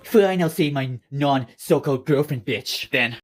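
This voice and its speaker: A woman's voice: rumbling low, normal speed, very noisy. A woman voicing a foul-mouthed, hostile, confrontational young heroine in a fan-made cartoon parody dub. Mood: angry. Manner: sweary, confrontational.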